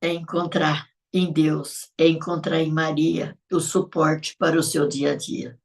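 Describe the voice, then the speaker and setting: A middle-aged woman with a Brazilian Portuguese accent, hosting a live show and speaking in a heartfelt, reflective way with soft laughs. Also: deep voice, little pitch movement, measured pace, gravelly, distant mic. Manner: emotional, reflective, laughing softly between thoughts. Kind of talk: heartfelt live-stream talk.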